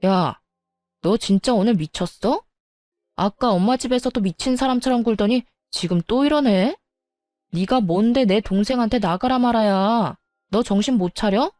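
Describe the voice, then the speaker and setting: Woman voicing a yelling sister-in-law, insulting, storybook reading, warm voice, dry sound. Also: on the high side, moderate pace, dry recording, faint music behind, close to an everyday voice. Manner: shouting, insulting. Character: adult woman, a hot-tempered sister-in-law who yells.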